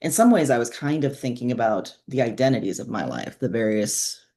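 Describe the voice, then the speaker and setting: Female author as interview guest; low register, reflective, candid, casual delivery. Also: animated, fairly quick, mellow. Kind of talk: conversational interview.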